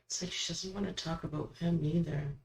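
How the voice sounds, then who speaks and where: A woman hosting a paranormal session, asking questions aloud and commenting casually, with halting pauses between them. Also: deep voice, fairly even intonation, darkish tone. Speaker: host of a spirit box session. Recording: roomy echo, background noise.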